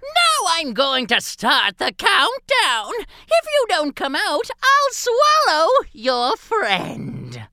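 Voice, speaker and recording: Storybook villain: woman playing a blustering giant wolf, slow and bright-edged. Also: very high voice, huge pitch swings, no echo, clean studio sound, exaggerated voice. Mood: threatening. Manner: blustering threats, shouted. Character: huge menacing male wolf giant, bullying. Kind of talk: children's audio story acting.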